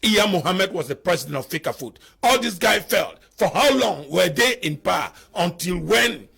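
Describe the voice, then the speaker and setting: A man's voice: high voice, expressive, moderate pace, creaky, bright, forceful tone, slightly rough. A man, a panel guest arguing a point in a heated debate with pressing rhetorical questions.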